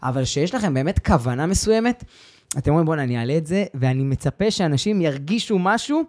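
A man's voice: on the high side, a little mellow. A man, talking casually as a podcast host and interviewer.

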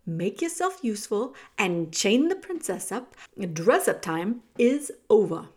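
A woman's voice: medium pitch, big pitch swings, unhurried, darkish tone, husky. A woman voicing a cruel, sneering male rat villain from a storybook, with haughty, formal, commanding diction. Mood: scornful, mocking.

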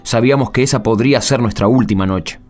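An actor playing an anxious, resigned Argentine soldier and loyal friend in a radio drama. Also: male voice, mid-range voice, quick pace, darkish tone, faint music behind, lightly acted. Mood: somber narrating. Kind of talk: radio drama acting with first-person narration.

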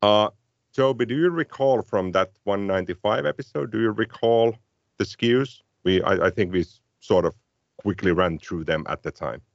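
A man's voice: lowish voice, moderate pace, vocal fry, dry recording, dull audio. A man with Finnish as his native language, co-hosting a casual tech podcast and talking thoughtfully with frequent restarts. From Finland. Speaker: podcast co-host.

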